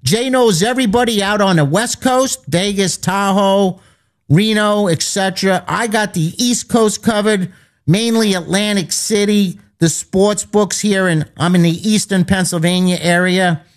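A man hosting a sports betting radio show, rattling off lines and numbers as he pitches his picks. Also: measured pace. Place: East Coast of the United States.

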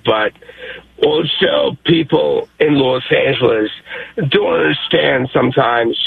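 A hoarse, excited man from New York calling in to a sports show, rambling with lots of fillers. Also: mid-range voice, takes it slowly, no echo. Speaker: caller. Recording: tinny phone line.

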